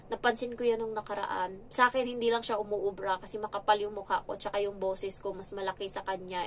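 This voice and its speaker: A woman's voice: mid-range voice, slight background noise. A young adult woman from the Philippines who works as a domestic helper, telling a frank, chatty story in a casual vlog. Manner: chatty, frank, animated when retelling.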